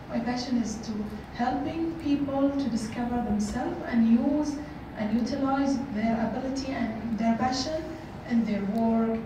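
Woman, middle-aged, high voice, motivational workshop talk, echoey conference room, far-off camera, noisy. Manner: earnest, repeats phrases, many fillers. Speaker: workshop speaker. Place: large hotel conference room.

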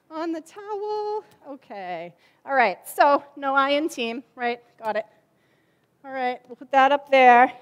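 A high-pitched woman in her forties, who directs a children's ministry, gives a chatty object lesson sermon from a church stage, sprinkling in lots of fillers.

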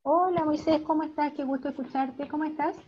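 A woman teacher with a Chilean accent giving an online class, praising her students warmly and explaining patiently. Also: high-pitched, fairly even intonation, fairly quick, background noise. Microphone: video call. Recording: dull lo-fi video call audio.

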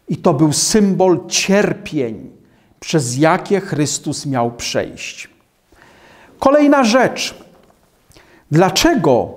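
An older man in his sixties, standing at a lectern in a small hall, preaching a Bible sermon and reading scripture aloud in a measured, emphatic way. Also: fairly high pitch. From Poland. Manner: measured, emphatic preaching, slowing on key phrases. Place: small hall with world maps behind a lectern.

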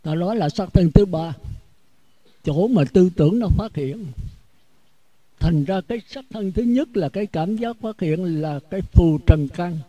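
Blunt Southern Vietnamese monk, high voice. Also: male voice, measured pace, dark tone, no echo, muffled recording. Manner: blunt, outspoken, repeats words while searching. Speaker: Buddhist monk preaching. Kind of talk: sermon.

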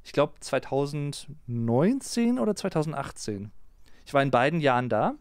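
On a casual live stream from a small home streaming room, a smooth-voiced German man reads out viewer comments and answers the chat in a relaxed, chatty way. His mid-range voice moves at a moderate pace, picked up dry and at studio quality by a close desk mic on a boom arm.

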